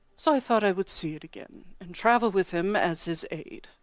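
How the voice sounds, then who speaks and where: A woman speaks in a put-on character voice at medium pitch and a moderate pace. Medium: actual play. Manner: smooth, measured.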